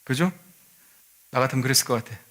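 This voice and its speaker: A man's voice: mid-range voice, fast, fairly bright tone. A male pastor preaching a Sunday sermon, retelling a scripture story and asking the congregation rhetorical questions.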